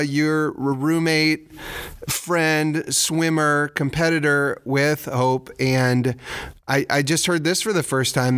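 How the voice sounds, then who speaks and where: A man hosting an interview, asking long questions that he restarts and rephrases as he goes. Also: mid-range voice. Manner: halting, restarts mid-question. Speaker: interviewer, host.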